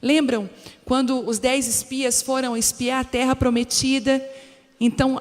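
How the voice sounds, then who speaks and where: A woman from Brazil preaching a sermon as a pastor, speaking directly to the congregation and weaving in personal stories. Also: sits high. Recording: long hall reverb with faint music.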